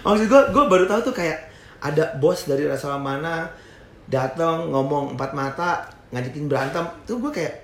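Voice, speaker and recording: A man's voice: a little high, normal speed, roomy sound, slight background noise. A man in his thirties telling stories about his restaurant business in a casual, slangy interview, laughing often and dropping English phrases. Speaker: restaurant founder guest.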